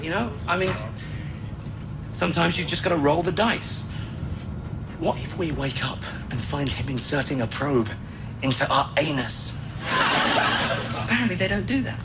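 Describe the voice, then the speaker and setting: A man's voice: on the high side, animated, moderate pace, pauses often, music in the background. A man in a comedy film clip, arguing in exasperation.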